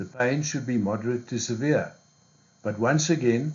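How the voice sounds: A man's medium-pitched, slightly mellow voice with audible room echo. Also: ordinary pitch variation, moderate pace.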